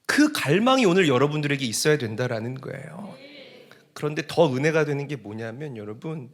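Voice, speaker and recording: A man preaching a sermon to his congregation. He asks them questions directly and swings from soft asides to shouted, impassioned peaks. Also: on the high side, big pitch swings, fairly quick. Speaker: pastor.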